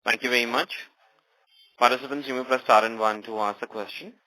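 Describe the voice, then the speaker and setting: A man's voice: medium pitch, fairly even intonation, fairly quick, pushed and bright, poor audio. A man moderating a conference call with formal, scripted announcements.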